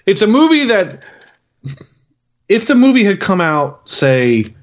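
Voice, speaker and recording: A man's voice: high voice, sing-song, slow. A man co-hosting a movie review podcast, talking in a rambling, profane way with many restarts. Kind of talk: casual chat. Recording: dull lo-fi sound.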